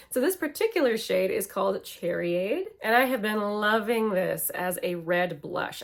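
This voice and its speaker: Her voice is a plain, everyday voice at medium pitch. The woman keeps a moderate pace. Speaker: beauty YouTuber. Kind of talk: product review monologue.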